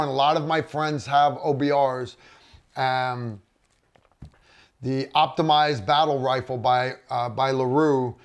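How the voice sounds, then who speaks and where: A middle-aged man hosting a casual livestream, reading viewer comments and rambling with frequent restarts. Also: a little high. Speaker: livestream host.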